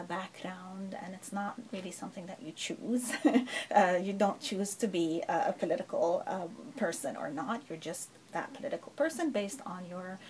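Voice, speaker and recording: A woman's voice: on the low side, darkish tone, rough recording. Thoughtful middle-aged woman professor. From Lebanon. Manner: thoughtful, many fillers and rhetorical 'right?'. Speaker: professor, guest. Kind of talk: conversational interview answer.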